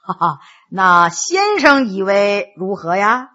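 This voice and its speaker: 女艺人扮演的威严霸道的中年王爷. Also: female voice, fairly high pitch, big pitch swings, pushed and bright, slightly rough, dull audio, heavily acted. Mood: gloating. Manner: commanding, slow and weighty. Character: stern middle-aged male warlord king, domineering. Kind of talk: Chinese storytelling performance.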